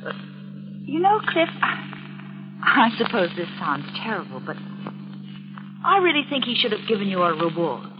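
A woman acting as a gentle American girlfriend troubled by her conscience. She sounds earnest and hesitant, at a medium female pitch. It is 1940s radio acting with muffled, dated sound. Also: very animated, moderate pace, pauses often, music in the background, close to an everyday voice. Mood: hesitant, apologetic. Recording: dull vintage radio broadcast.

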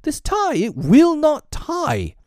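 A man voicing a blustering, self-pitying middle-aged father in a storybook, loud, sarcastic and pompous. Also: fairly low pitch, sing-song, slow pace, no echo, clean studio sound, full character voice. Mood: outraged yelling. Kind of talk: storybook character reading.

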